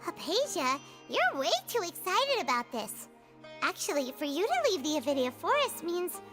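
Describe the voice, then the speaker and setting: Tiny chatty companion sprite, anime game, piercingly high, wildly animated delivery over game music. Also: female voice, moderate pace, exaggerated voice. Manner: speaks of self in third person, expressive.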